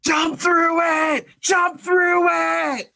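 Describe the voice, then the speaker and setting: A woman playing a rowdy wrestling fan, chanting and heckling in loud, drawn-out cries at a staged reading. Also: very high voice, little pitch movement, gravelly, exaggerated voice. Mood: egging on.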